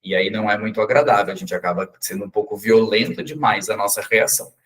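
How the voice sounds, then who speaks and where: A man's voice: on the low side, fast talker, a bit bright, husky. A man teaching an English pronunciation class in a chatty, joking way, explaining sounds step by step. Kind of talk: casual online class.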